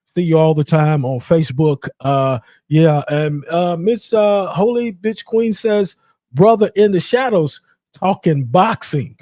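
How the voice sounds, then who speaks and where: A man's voice: on the high side, unhurried, darkish tone, dry recording, clean studio sound. A man casually hosting a live boxing call-in show in a rambling, repetitive way. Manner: rambling, repeats himself.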